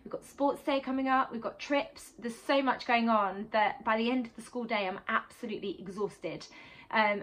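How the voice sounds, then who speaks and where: A woman's voice: fairly high pitch, fairly bright tone, low-quality recording. A woman in her thirties with a slightly sore throat, chatting casually about her sewing in a small home room, with lots of "um"s as she rambles along. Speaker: sewing vlogger and teacher. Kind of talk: chatty sewing catch-up vlog.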